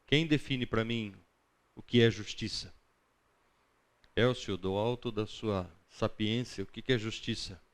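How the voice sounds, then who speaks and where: A man's voice: on the low side, a little slow. A Brazilian man teaching a Bible class in a conversational, didactic lecture style, often putting questions to his listeners.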